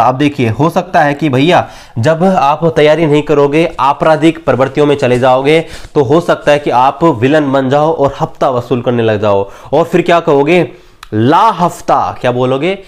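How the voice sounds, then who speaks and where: A man teaching an exam-prep lesson, slowly chanting mnemonic phrases word by word and often checking in with his students. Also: mid-range voice. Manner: casual, repeats phrases, checks in with "theek hai".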